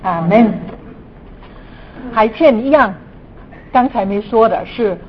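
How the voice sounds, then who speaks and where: A woman's voice: a little slow, breathy edge. A woman from Guangdong, a native Cantonese speaker, speaks Mandarin with a Cantonese accent as a Christian lecturer, mixing in English terms. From Guangdong, China. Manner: frequent sentence particles, mixes in English terms. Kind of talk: church teaching lecture. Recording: dull lo-fi room recording, audible noise, rumble.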